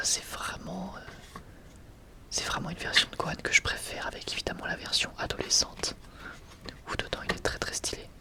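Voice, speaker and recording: Whispering ASMR creator. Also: mid-range voice. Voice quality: breathy, unvoiced whisper. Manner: rambling, self-correcting fan commentary. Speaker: ASMR video creator presenting a manga collection. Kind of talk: whispered ASMR, casual chat.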